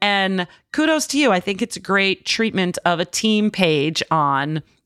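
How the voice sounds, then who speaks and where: A woman's medium-pitched voice at a fairly slow pace, with very wide pitch swings and a dry, close sound with no echo. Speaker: podcast host. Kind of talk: casual interview.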